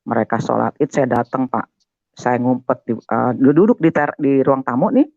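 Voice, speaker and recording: An older man telling his conversion testimony as a guest, animated and talking straight to his listener. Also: mid-range voice, normal speed, creaky, no room sound. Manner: animated, keeps addressing the listener as "Pak". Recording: dull, muffled, dry sound.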